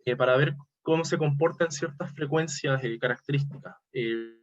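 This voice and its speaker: A man gives a technical conference presentation over slides, halting and often correcting himself as he goes. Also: a little high, lo-fi sound. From Chile. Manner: halting, self-correcting, hesitant delivery. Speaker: academic presenter.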